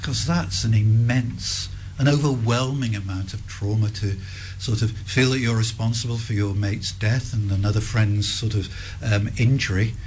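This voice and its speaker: A man hosting a radio interview in a studio, speaking gently and summing up his guest's answers. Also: on the low side, normal speed, slight background noise. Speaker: radio host. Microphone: studio microphone.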